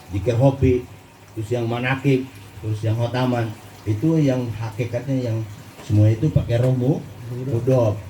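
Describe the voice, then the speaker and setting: Guy giving a sufi sermon, lilt, mellow voice, echoey hall, mic far off. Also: a little hiss or hum. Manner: lively, asks the audience questions, swings between low and high pitch. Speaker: preacher. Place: gathering in a hall.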